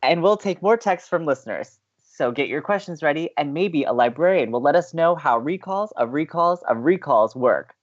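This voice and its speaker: A man playing an excitable, idealistic young campus radio co-host in an audio drama, with a playful, opinionated way of bantering. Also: a little high, normal speed, few pauses, dull audio, lightly acted. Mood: eager, teasing.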